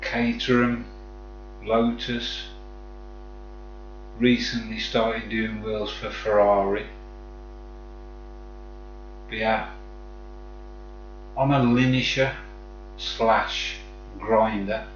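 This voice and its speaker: His voice is fairly low and flat, with drawn-out words, frequent pauses, and slight background noise. A Black Country man from the West Midlands, he's chatting casually on a live stream, friendly and matey with viewers. The room echoes, the sound is dull, and faint music can be heard.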